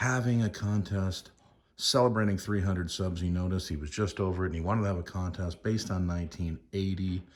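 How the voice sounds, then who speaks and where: A man's very deep, low voice at a very fast pace with ordinary pitch variation, on a very clean recording with a silent background. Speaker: vinyl record collector YouTuber. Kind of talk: casual vlog. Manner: hurried.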